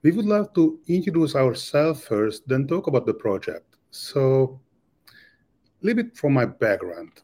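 An earnest man with a Hungarian accent introduces his startup as an interview guest. His pitch rises and falls in lively swings. His phrasing is slightly non-native. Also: a little slow. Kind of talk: interview answers.

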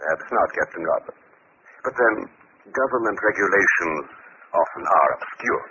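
Radio drama commander: imperious, clipped formality, animated pitch, dull vintage recording. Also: male voice, moderate pace. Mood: coolly formal. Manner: authoritative, formal, curtly dismissive. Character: stern, imperious male military commander of secret base. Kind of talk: 1950s radio drama acting. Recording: noisy, muffled 1950s radio recording.

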